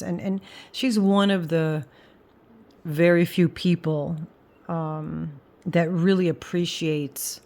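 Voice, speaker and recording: An older woman speaks in a low register, with a slight whistle on her s sounds. She chats informally in the way of a craft vlogger, pausing, restarting and trailing off into asides as she thinks aloud. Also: darkish tone. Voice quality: whistling s through the teeth. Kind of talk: casual rambling chat.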